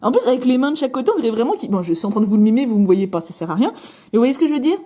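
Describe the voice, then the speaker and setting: A bubbly French woman chats away as she opens card packs, her fairly high voice swooping up and down. She jokes at her own expense and throws in quick asides. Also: big pitch swings, dark tone. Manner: chatty, bubbly, self-mocking, quick asides. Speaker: card-opening video host. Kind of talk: casual chat while opening cards.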